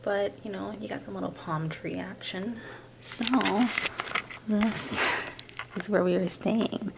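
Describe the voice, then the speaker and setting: A young woman with a raspy morning voice, chatting casually to her camera from a hotel room. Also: mid-range voice, takes it slowly, background noise. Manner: chatty, filler-heavy, rambling. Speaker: vlogger. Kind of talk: casual vlog chat.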